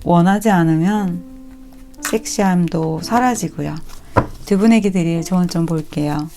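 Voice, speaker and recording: Gentle, slightly low-voiced woman tarot reader. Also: measured pace, soft background music. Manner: gentle, reassuring, acts out quoted lines. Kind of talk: tarot reading for viewers.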